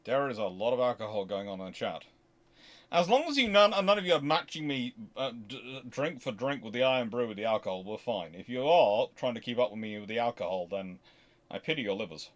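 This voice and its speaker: Halting, digressive man hosting casually. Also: mid-range voice, animated. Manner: halting, digressive, with self-corrections. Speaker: history livestream host. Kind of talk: casual unscripted question-and-answer talk.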